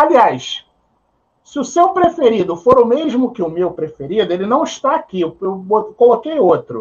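Talking at a moderate pace with lively intonation, a man with a Rio de Janeiro accent has an extremely high pitch. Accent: carioca. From Rio de Janeiro, Brazil. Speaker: YouTube channel host. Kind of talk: casual chat.

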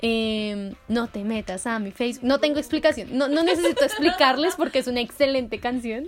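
With music playing behind her, a woman speaks at a moderate pace in a high voice with lively intonation. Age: 20s. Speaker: podcast co-host. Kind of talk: casual chat.

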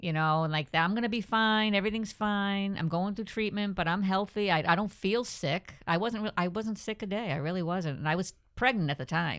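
A woman talks in an unremarkable speaking voice with an American accent, at a medium pitch with ordinary pitch variation. Her pace is fairly quick, with hardly any pauses. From Massachusetts, US. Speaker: nursing professor. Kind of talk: casual interview.

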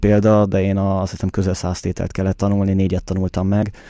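A dark, mellow tone delivered in a monotone, flat way, with a dry, close sound, no echo, and a very clean recording over a silent background. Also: man. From Hungary. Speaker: amateur footballer. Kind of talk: interview. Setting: studio.

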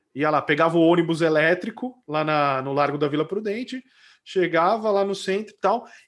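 Here a man speaks in a high voice at a moderate pace with ordinary pitch variation. The recording is very clean, with a silent background. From São Paulo, East Zone. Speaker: podcast host. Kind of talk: casual interview chat.

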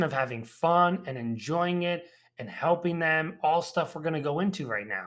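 A man with a high pitch talks in an animated, upbeat tone. His pace is moderate, and the recording is very clean with a silent background. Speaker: sales coach and podcast host. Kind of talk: sales pep talk, motivational coaching monologue. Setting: home recording, dog noises in background. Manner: animated, high-energy, upbeat.

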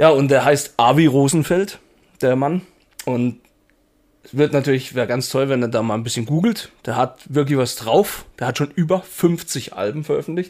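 An unremarkable speaking voice with ordinary pitch variation. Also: man, fairly high pitch for a man, moderate pace. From Baden, Karlsruhe. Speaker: podcast host. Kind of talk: casual chat.

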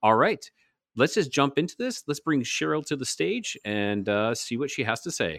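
A man's medium-pitched voice with vocal fry and very wide pitch swings, at a moderate pace, dry and close with no echo, on a very clean recording against a silent background. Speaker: podcast host. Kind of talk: interview.

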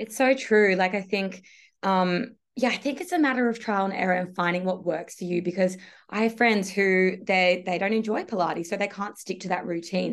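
With an Australian accent, a woman speaks at a fairly quick pace. Her medium pitch shows ordinary variation. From Australia, Sydney. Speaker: recipe content creator and pilates instructor. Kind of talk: casual interview chat.

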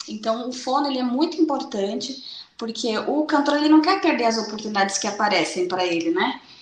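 The speech comes at a fairly quick pace with very wide pitch swings. Audible room echo and noticeable background noise surround it. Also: woman, high pitch for a woman. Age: 20s. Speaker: speech therapist. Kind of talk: interview.

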